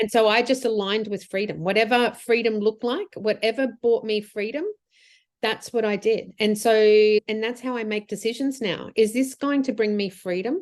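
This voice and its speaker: Speaking at a moderate pace, a woman uses fairly even intonation at a fairly high pitch. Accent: Australian. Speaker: spiritual mentor. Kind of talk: podcast interview.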